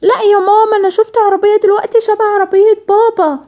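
Woman voicing an eager, insistent little Egyptian girl for a cartoon, very high and rapid. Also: little pitch movement, dark tone. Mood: excited. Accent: Egyptian Arabic. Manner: eager, pleading, breathless chatter.

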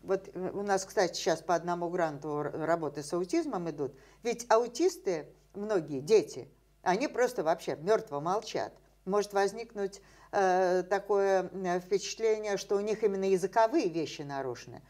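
A woman's voice: on the low side, moderate pace. Older woman explaining science animatedly. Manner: animated, gesturing, many fillers and rhetorical questions. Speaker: scientist guest. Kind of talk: explanatory interview talk. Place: dim indoor room with bookshelves.

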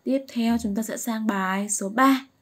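Slow, patient woman teaching English. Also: fairly high pitch, fairly bright tone. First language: Vietnamese. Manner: patient, keeps asking "right?" to check understanding. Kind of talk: slow explanatory lesson.

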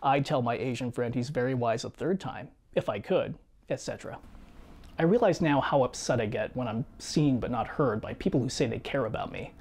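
A man in his thirties reading a scripted personal video essay in a measured, reflective way, seated in a small home studio. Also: medium pitch, a little hiss or hum. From United States. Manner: measured, reflective storytelling with quiet asides. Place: small home studio room with guitars and shelves.

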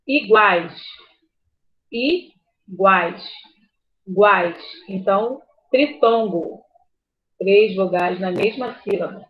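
A woman teacher, slowly and patiently reviewing a grammar lesson for a class online. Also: medium pitch. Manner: slow, patient, spells words out. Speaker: primary school teacher. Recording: slightly muffled lo-fi audio.

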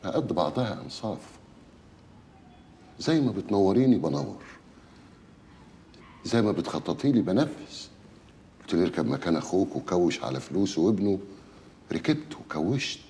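A brazen, womanizing Egyptian husband in a film drama. He speaks in a low voice with lively swings of pitch, taunting and cynical, and faint music runs underneath. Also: moderate pace, long pauses, big-room sound, a little hiss or hum. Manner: taunting, brazen, then placating. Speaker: unfaithful husband.

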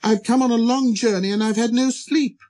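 A man's voice: extremely high pitch, fairly even intonation, a little fast, mellow, pitched above the performer's own voice. A man voicing a timid, curious and polite little boy prince in a storybook. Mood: abashed, weary.

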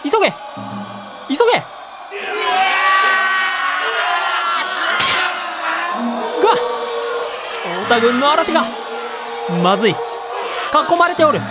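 A man's voice: extremely high pitch, big pitch swings, moderate pace, over loud music, over a noisy crowd. A man playing an anguished samurai lord in a period voice drama, with theatrical, archaic warrior speech. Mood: frantic, desperate. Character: anguished samurai lord watching his castle fall.

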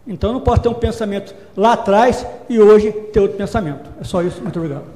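A man's voice: sits high, fast talker, mellow. A man, a city councillor, giving a formal floor speech in a council chamber and earnestly repeating his position. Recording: echoey hall with long reverb.

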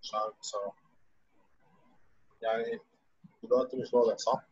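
A young man in his twenties with an Egyptian accent, an engineering student explaining a technical topic, heard over blurry, muffled low-quality stream audio. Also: sing-song, vocal fry, husky. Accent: Egyptian Arabic. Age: 20s. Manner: rapid explaining with frequent drawn-out fillers. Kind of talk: technical presentation over an online call. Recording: dull lo-fi online call audio.

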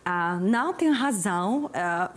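A woman's voice: medium pitch, expressive, slow. Slovak-accented woman speaking careful Portuguese. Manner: careful, learner's Portuguese, laughs easily. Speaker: guest harpist. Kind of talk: casual interview chat. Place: pink TV studio set, indoors. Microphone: lapel mic.

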